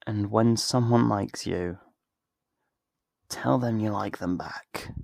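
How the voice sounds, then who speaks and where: A man acts out a wistful, tender best friend in an intimate ASMR roleplay. The voice is low and gravelly, and the words come slowly and earnestly, with soft pauses. It is recorded very dry and close to the mic. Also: no echo. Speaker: ASMR voice actor. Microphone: close studio mic, dry.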